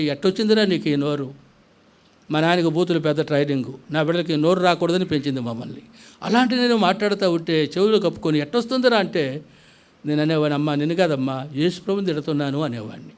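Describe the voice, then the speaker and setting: High-voiced man preaching a testimony. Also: clean tone. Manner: animated storytelling, acts out voices of his mother and himself. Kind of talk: sermon testimony.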